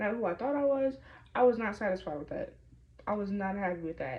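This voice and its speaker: The pace here is fairly quick. There is a somewhat breathy quality to the voice. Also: woman. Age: 20s. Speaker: prophetic intercessor. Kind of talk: casual spiritual message to camera.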